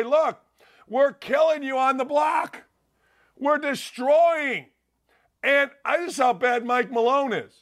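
Middle-aged guy ranting on sports radio, real high bright voice, mocking and loud. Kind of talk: sports talk rant.

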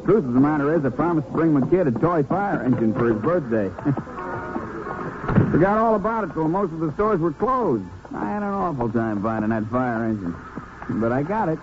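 A man's voice: a little high, big pitch swings, moderate pace, over music. An actor playing a friendly, folksy working-man driver who talks in clipped sentences, in 1950s radio drama style. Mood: friendly, casual. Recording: muffled, noisy old radio recording.

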